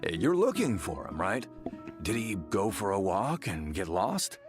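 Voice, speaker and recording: A man's voice: lowish voice, measured pace. A man voicing a kindly, rambling married villager in a video game. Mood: chatty, friendly. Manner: rambling, animated storytelling with sighs. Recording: game music behind the voice.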